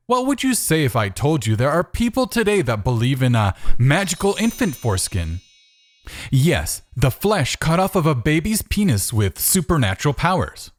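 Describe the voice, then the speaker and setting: A man delivering scripted rebuttal commentary as a video host, in a sarcastic manner full of rhetorical questioning. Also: on the high side.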